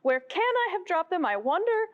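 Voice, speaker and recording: A fussy, fretting white rabbit, high and jumpy in pitch, as a woman puts him on. He mutters and snaps orders in a storybook reading. The recording is a little dull and lo-fi. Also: big pitch swings, moderate pace. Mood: fretful. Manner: flustered, muttering, bossy to servants.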